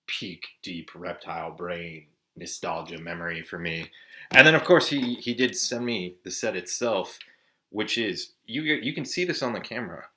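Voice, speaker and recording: Laid-back, swearing man, animated and bright. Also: low-pitched, moderate pace. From Southern California. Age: 40s. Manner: laid-back, swears often, lots of "like" and "dude". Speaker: vlog host. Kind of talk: casual chat to camera.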